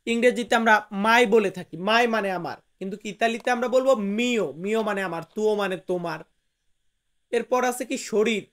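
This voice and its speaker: Man teaching vocabulary slowly. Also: high voice, a bit bright. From Bangladesh. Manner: slow, repeats each word and its meaning with emphasis. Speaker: language teacher. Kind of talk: vocabulary lesson for viewers.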